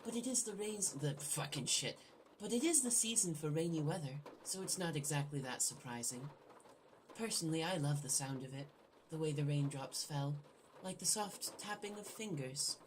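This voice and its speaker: A woman's voice: sits low, expressive, normal speed, slight background noise, rough recording. A woman hosting a gaming video, playfully reading the script aloud and commenting with irreverent, sudden exclamations. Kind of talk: let's play commentary, joking read-aloud narration.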